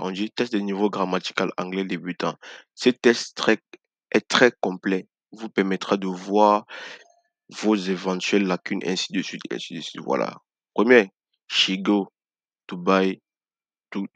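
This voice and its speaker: A man hosting a casual screen-share tutorial, chatty, repeating himself and filling pauses with hesitations. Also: deep voice, dry recording. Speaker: channel host giving a tutorial.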